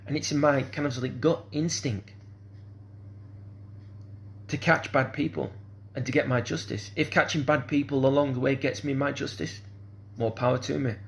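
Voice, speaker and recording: Man, middle pitch, gravelly; hesitant rambling monologue with constant restarts. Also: steady tone, normal speed. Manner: hesitant, repeats "kind of sort of", restarts often.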